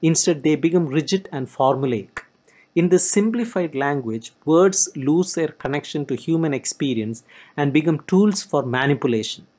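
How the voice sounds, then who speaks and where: A mid-pitched narrator reads a lecture-style summary of a theory text aloud. The delivery is steady and plain, broken now and then by restarts and repeated words. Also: normal speed.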